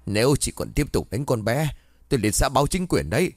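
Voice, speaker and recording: A man doing a frail, gentle old grandmother. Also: medium pitch, big pitch swings, a little fast, no room sound, clean studio sound. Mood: imploring. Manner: gentle, imploring. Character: frail, kindly old grandmother with weak eyes.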